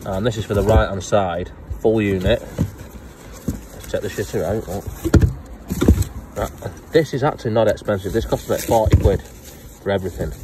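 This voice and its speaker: A man at a moderate pace, noticeable background noise, and a dry sound with no echo. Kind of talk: tutorial. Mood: wry, joking. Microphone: phone near.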